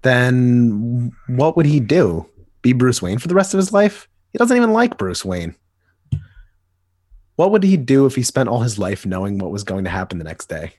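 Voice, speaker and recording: A man's voice: medium pitch, big pitch swings, moderate pace, darkish tone, no room sound. A man voicing a wry young adult male hero in a dramatic comic reading, with teasing, dry banter.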